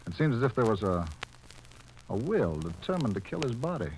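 A man's voice: medium pitch, big pitch swings, a little fast, darkish tone. A man playing an earnest, unsettled hospital doctor with intense 1940s radio acting on a faintly noisy vintage recording. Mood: earnest, uneasy.

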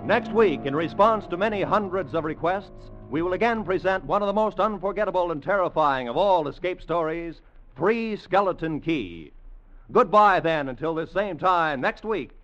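A man gives formal, emphatic radio announcements with lots of lift and fall in his voice. His pitch sits fairly high. It sounds like a dull old broadcast with faint music behind him. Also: animated, normal speed, fairly bright tone.

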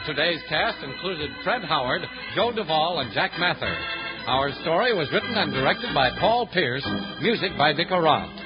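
A man speaks as an old-time radio announcer, with a high, lively and emphatic delivery. His polished reading of sponsor copy and credits comes through a dull vintage recording with music behind it. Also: normal speed. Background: loud music.

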